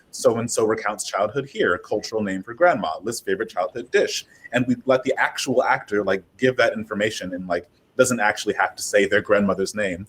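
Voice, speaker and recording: A man speaking informally and emphatically as a panelist in a casual discussion. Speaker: panelist, audio drama creator. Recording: clear background noise with low rumble.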